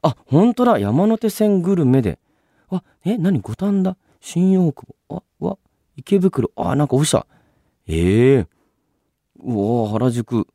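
A man hosting a radio show, chatting and reading listener mail in a polite, expressive manner. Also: fairly high pitch, takes it slowly, no room sound, studio quality. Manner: polite, expressive, often breaking into laughter. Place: radio studio. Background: background music.

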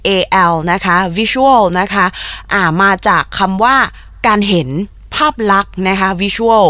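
A young woman hosting a casual explainer podcast. She talks in a chatty, playful way, repeats soft polite particles and drops in Japanese words. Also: medium pitch, no room sound. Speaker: podcast host.

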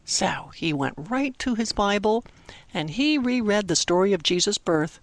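A woman telling a dramatic Christmas story for children, with simple, expressive phrasing and emphatic pauses. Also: medium pitch. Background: music under the narration.

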